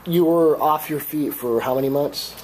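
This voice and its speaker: Man reporter, raspy from a cold, warm low tone, asking questions straight. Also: moderate pace, a little hiss or hum, rough recording. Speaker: sports reporter, interviewer. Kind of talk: interview questions.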